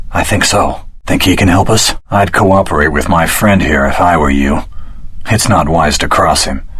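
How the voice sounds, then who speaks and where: An actor playing an earnest, determined young hero in a video game, with a dramatic, heroic delivery. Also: male voice, extremely low pitch, fairly bright tone, husky, full character voice. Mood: serious, thoughtful.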